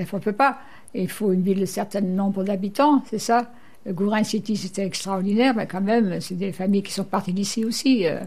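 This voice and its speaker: An older woman from Brittany, a returned emigrant, telling stories as a guest on a radio interview in a lively, chatty way. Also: mid-range voice. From Brittany, France. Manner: lively storyteller, chatty and animated.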